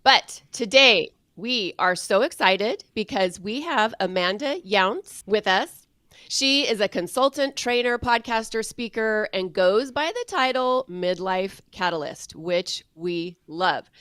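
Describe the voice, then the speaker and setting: A woman's voice: medium pitch, expressive, takes it slowly, fairly bright tone, no room sound, clean studio sound. A middle-aged woman co-hosting a podcast, introducing a guest with enthusiasm. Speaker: podcast co-host. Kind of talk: casual chat, introducing a guest.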